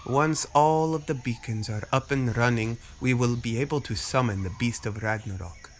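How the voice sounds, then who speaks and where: A man's voice: mid-range voice, normal speed, a little hiss or hum, lightly acted. A man voicing an imperious armored alien lord with a commanding, formal manner. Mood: pleased, scheming.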